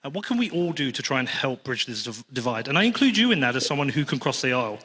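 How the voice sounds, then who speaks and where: A man's voice: medium pitch, big pitch swings, quick pace, sharp tone, slight background noise. English guy hosting a stage chat, loose and casual with lots of ums, big echoey room. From England. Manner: casual, many fillers. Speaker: podcast host, interviewer. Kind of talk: conference stage interview. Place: large conference hall. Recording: long hall reverb.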